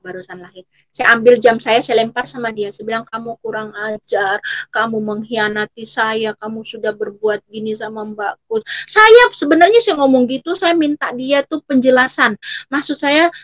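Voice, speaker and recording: A woman's voice: high voice, fairly bright tone, dry recording. A middle-aged woman from Riau in Indonesia tells her personal testimony and repeats phrases again and again as she goes. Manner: repeats phrases over and over while telling her story. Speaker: guest giving a personal testimony.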